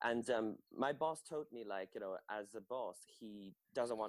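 In a Chinese accent, a man speaks at a fairly slow pace with medium pitch and ordinary pitch variation. The recording is dry and close, with no echo. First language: Mandarin Chinese. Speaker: drama and improv teacher. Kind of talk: casual interview. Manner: halting, many fillers.

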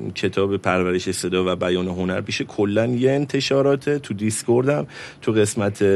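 A man speaks at a fairly quick pace in a fairly low pitch, with an ordinary speaking voice. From Iran, Shahr-e Rey (south Tehran). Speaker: rapper. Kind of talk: casual chat.

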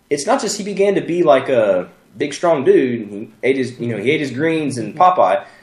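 This man has an American accent and a fairly high pitch, talking at a moderate pace in an animated tone with big swings in loudness and very wide pitch swings. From small-town Oklahoma. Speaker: military veteran and former sheriff's deputy, paranormal YouTuber. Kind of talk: casual chat.

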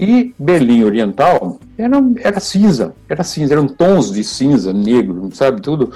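A man with a fairly high pitch speaks at a fairly slow pace. His pitch swings very widely. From Brazil. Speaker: oboist and retired music professor. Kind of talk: interview, casual storytelling. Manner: animated.

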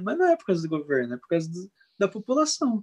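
A man is speaking. His pitch is high. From Brazil. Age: 20s. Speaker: factory worker living abroad. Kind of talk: casual chat.

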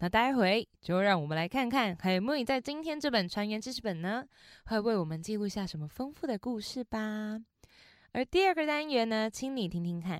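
In a very clean recording with a silent background and a dry, close sound free of echo, a woman with a fairly high pitch makes very wide pitch swings. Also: moderate pace. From Taiwan, Hualien (Amis). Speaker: student radio host. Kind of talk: casual interview chat; scripted show intro.

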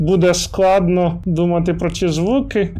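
This man's voice sits at a high pitch and has a dark, mellow tone. Audible room echo surrounds it. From Ukraine, Kyiv region (Brovary). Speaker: manga translator. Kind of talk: interview.

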